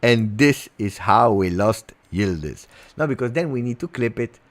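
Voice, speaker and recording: A man's voice: mid-range voice, lively intonation, normal speed. A man hosting a casual football livestream, playful and chatty, who keeps stopping and repeating words. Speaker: football channel host.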